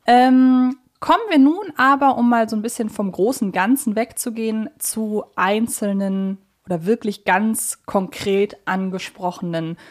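A woman's voice: fairly high pitch, measured pace, hardly any pauses. A woman co-hosting a podcast, explaining things in an articulate, analytical way in conversation. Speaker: podcast co-host.

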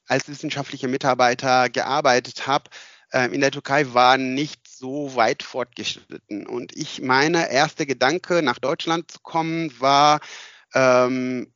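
A man's voice: mid-range voice, fairly bright tone, clean tone, no room sound, muffled recording. A man with a Turkish accent, a guest on a podcast, speaking non-native German hesitantly with many filler sounds and restarts. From Turkey. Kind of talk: casual interview.

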